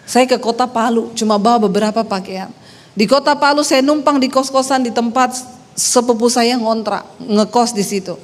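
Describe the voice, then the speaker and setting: A woman pastor from Sulawesi with a Sulawesi accent, preaching a sermon as lively storytelling with rising phrase endings. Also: fairly high pitch, moderate pace. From Sulawesi, Indonesia. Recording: long reverb of a hall.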